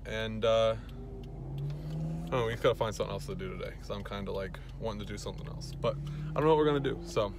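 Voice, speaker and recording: A man's voice: lowish voice, quick pace, gravelly. A man in his thirties rambling casually to a camera close by while sitting in a car. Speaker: vlogger. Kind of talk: casual rambling vlog chat. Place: inside a car. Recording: car and street noise behind voice.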